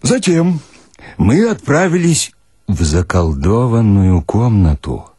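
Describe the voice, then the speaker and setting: A man giving a theatrical, expressive first-person reading of satirical short stories, with deliberate pauses and a husky voice. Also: on the low side, no room sound, clean studio sound. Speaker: narrator, reader of literary stories.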